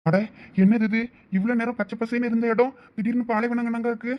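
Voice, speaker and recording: A man's voice: very high-pitched, steady tone, brisk, dull audio, loud music behind the voice. A man playing a jealous, devoted young husband in a village drama, with emotional delivery. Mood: panicked calling. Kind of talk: village web-series acting.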